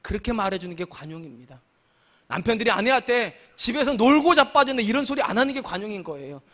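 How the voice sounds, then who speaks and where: Quick-talking, high-voiced male pastor. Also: expressive, fairly bright tone. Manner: humorous, conversational preaching with acted quotes. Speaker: senior pastor. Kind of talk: sermon. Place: church sanctuary.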